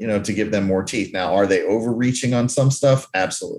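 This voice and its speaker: A man talks with an American accent. The background is quiet. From US South, Miami, Florida. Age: 50s. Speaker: reptile breeder. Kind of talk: casual chat. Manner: animated.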